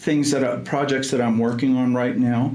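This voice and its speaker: In a room with audible echo and noticeable background noise, a man speaks at a moderate pace and medium pitch in a monotone, flat way. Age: 60s. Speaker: entrepreneur and publisher. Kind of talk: podcast interview.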